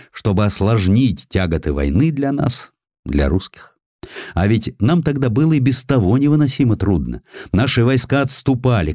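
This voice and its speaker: A man with a low voice narrates history in a dramatic, scripted style. His intonation rises and falls widely as he stresses key phrases with measured emphasis. The recording is close and dry. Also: darkish tone, no echo. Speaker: audiobook narrator.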